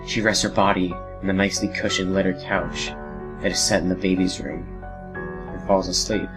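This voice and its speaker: A man's voice: deep voice, level tone, moderate pace, music in the background. A man reading scripted horror narration as the storyteller of an audio drama.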